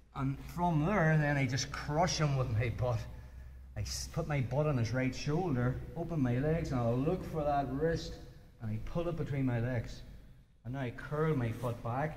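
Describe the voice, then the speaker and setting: There is light background noise as a man talks at a moderate pace. His pitch varies in an ordinary way. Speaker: jiu jitsu instructor. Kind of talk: tutorial. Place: gym.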